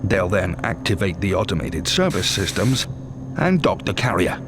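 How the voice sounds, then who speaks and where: A man's voice: low-pitched, very animated, normal speed, background noise. A man playing a commanding, serious senior military officer, delivering a clipped, businesslike briefing in a game cutscene.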